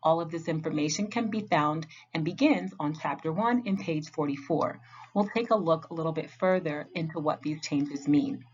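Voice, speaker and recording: A woman giving a scripted training narration as a compliance trainer, speaking in a clear, measured, instructional way. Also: sits low. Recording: dull lo-fi audio.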